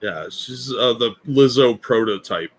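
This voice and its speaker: A man co-hosting a casual livestream chat, blunt and crude in his put-downs and quick to agree. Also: mid-range voice, animated. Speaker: podcast co-host.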